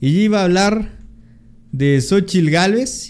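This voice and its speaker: A man speaks at a fairly slow pace in a Mexican accent. His tone is animated. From Mexico. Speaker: political commentary youtuber. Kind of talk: political commentary monologue. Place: home room. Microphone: studio mic.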